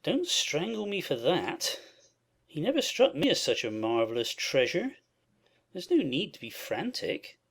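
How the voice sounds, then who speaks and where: A cross, proper gentleman who talks down to those around him, as a woman reading a novel puts him on. The voice drops low and turns gravelly and husky, while the pitch swings widely from word to word. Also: sing-song, unhurried, full character voice. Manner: dry, curt and disapproving. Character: fussy, cross gentleman husband, proper and disdainful. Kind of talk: audiobook character voice.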